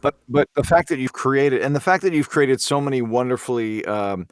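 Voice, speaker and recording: A man chatting as a voice actor guest in an interview, halting often as he searches for words. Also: mid-range voice, no echo. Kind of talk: casual interview discussion.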